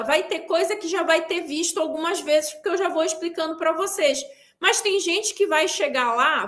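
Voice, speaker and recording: A woman with a high voice talks straight to her viewers, seated for an online class. She is emphatic, driving her points home by repeating a short, clipped punchline again and again. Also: a bit bright. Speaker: weight-loss coach hosting a pre-event class. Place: seated indoors.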